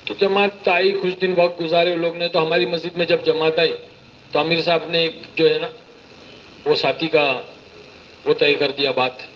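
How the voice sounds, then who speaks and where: A man preaches through lively anecdotes and mimics the people in them. His voice sits a little high for a man. The recording is slightly muffled, with a faint hiss underneath. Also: moderate pace. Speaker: preacher giving a religious talk. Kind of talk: storytelling sermon.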